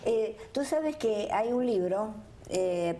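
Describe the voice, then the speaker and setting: A woman conducting a relaxed interview in a middle-pitched voice. She is encouraging and affirming toward her guest and often hesitates on fillers as she gathers her thoughts. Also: slow, over a noisy crowd. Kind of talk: interview conversation.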